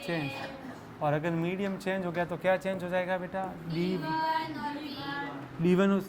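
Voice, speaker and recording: High-voiced Hindi physics teacher quizzing students. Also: male voice, little pitch movement, measured pace, very noisy. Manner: quizzes students constantly, calls them beta, jokes and laughs with the class. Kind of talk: classroom lecture with call-and-response questions. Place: classroom with students.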